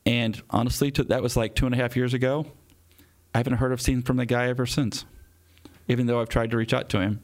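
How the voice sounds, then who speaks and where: A police officer telling an earnest personal story in an interview, acting out his own quotes with animated shifts. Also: medium pitch, quick pace.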